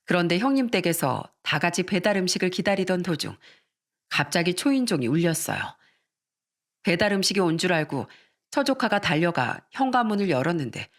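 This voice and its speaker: A narrator in a dramatized story reading, telling events in a steady, plain manner. The voice sits at a middle pitch, neither high nor low.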